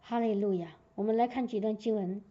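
A woman preaching a sermon in a lively storytelling way, checking in often with her listeners. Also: medium pitch, fairly quick. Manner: lively storytelling with frequent "明白我的意思吧" asides. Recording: dull lo-fi recording.

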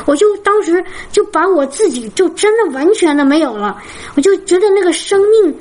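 High-voiced woman giving fervent testimony. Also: a little mellow, poor audio. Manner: fervent, repetitive, halting restarts. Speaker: Christian testimony speaker. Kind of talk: emotional personal testimony to a congregation.

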